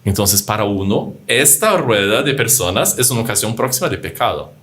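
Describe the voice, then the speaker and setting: A man's voice: lowish voice, lively intonation, moderate pace, a bit bright, a little hiss or hum. Non-native Spanish-speaking man explaining doctrine. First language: not Spanish. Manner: explains with examples and acted-out quotes, frequent restarts. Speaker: podcast co-host. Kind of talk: religious podcast discussion.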